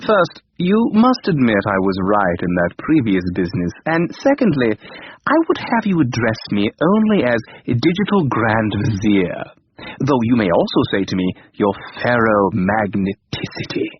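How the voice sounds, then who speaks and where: A man's voice: lowish voice, big pitch swings, normal speed, a little hiss or hum. A man voicing a pompous old computer. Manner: pompous, fussy, lecturing. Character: old wise pedantic male strategy computer. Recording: dull lo-fi radio recording.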